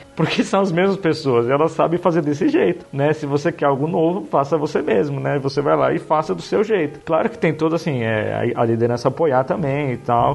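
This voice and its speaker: A man talks at a fairly quick pace with hardly any pauses, his pitch fairly high and his intonation lively. Noticeable background noise is present. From Santos, São Paulo state, Brazil. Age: 30s. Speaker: evangelical church member. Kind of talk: casual panel discussion.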